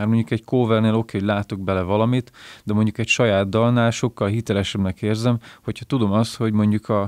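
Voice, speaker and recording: Heard against a quiet background in a dry sound with no echo, a man talks at a fairly quick pace and fairly low pitch with fairly even intonation. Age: young. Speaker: rock singer and guitarist; interview guest. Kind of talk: interview. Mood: relaxed, reflective. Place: studio. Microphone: studio mic.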